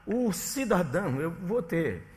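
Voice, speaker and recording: A man from northern Minas Gerais, Brazil, with a matching accent, preaching a sermon in a joking, chatty way that builds to loud, emphatic scripture reading. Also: high-pitched, sing-song, slow. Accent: northern Minas Gerais Portuguese. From Janaúba, Minas Gerais, Brazil. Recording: long hall reverb.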